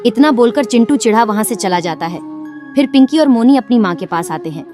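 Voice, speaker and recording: A woman reads a children's cartoon story in an even, storytelling manner. Her voice sits a bit high. Loud music plays under her. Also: a little fast. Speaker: narrator. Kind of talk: scripted storybook narration.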